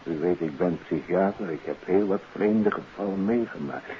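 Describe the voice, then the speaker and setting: A man's voice: low-pitched, moderate pace, lightly acted. An actor playing a troubled psychiatrist and father, speaking earnestly and formally in a 1950s radio drama. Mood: perplexed, uneasy. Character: troubled psychiatrist father, baffled by his daughter. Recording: hissy, dull old radio recording.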